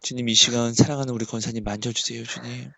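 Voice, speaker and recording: A man's voice: mid-range voice, level tone, fast talker, gravelly, background noise. A man praying over a sick church member, pleading fervently and repeating his petitions. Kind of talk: intercessory prayer.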